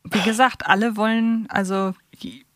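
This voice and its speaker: A woman's voice: mid-range voice, fairly even intonation, normal speed, no echo, studio quality. A woman co-hosting a podcast, giving casual and humorous commentary. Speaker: podcast co-host.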